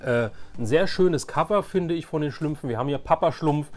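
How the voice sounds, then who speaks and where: A man's voice: a little high, fairly quick. Chatty man in his forties, faint music. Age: 40s. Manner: chatty, repeats words for emphasis. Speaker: YouTube host. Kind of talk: casual nostalgic show-and-tell.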